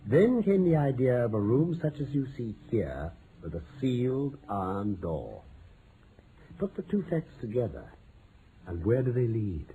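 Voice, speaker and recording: An actor playing a confident, precise detective with a British accent, lecturing articulately in vintage radio mystery style. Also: male voice, mid-range voice, wildly swooping pitch, measured pace, phone-quality sound. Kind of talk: 1940s-50s radio mystery acting. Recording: noisy old-time radio recording.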